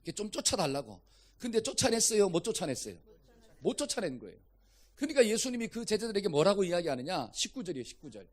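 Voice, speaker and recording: A male pastor preaching an interactive sermon, asking the congregation questions and shouting commands at demons. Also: sits high, very animated, fast talker. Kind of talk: interactive sermon with call-and-response.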